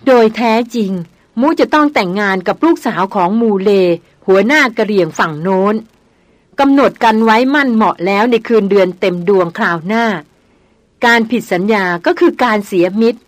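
A woman reading the lines of a proud older male village headman with a hoarse, gruff voice in an audiobook. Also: medium pitch, expressive, moderate pace, no room sound, close to an everyday voice. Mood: solemn.

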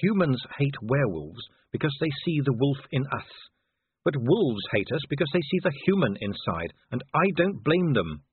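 A man's voice: mid-range voice, big pitch swings, moderate pace, slightly rough, dry recording. A man reading the part of a young female werewolf, sardonic and cutting. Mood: bitter. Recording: tinny phone-band sound.

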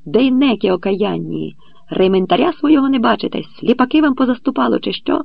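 Man putting on a furious shouting Cossack captain. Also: sits high, animated, fairly quick, vocal fry, husky, no room sound, voice pushed up, full character voice. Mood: furious, scolding. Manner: shouting insults, scolding a crowd. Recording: dull lo-fi recording.

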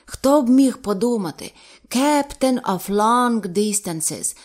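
A polite, nostalgic middle-aged businessman read by a woman narrator. His lines rise in lively, eager exclamations, courteous and sentimental in a storybook reading. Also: a little high, slow pace, voice pushed up.

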